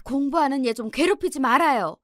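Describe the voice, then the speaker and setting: A woman voicing a patient middle-aged mother who talks softly and coaxingly. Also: sits high, a little fast, no echo, studio quality, voice pushed up. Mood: firm protective. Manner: soft, coaxing, caring.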